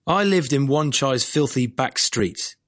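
A man reading a first-person memoir audiobook in a measured, wry storytelling manner. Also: medium pitch, animated, a bit bright. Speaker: audiobook narrator.

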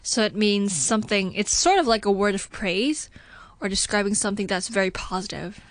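A woman's voice: medium pitch, a little fast, dry recording. A young woman guest on a radio chat, explaining slang in an agreeable, matter-of-fact way. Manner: explanatory, agreeable, many short yeses.

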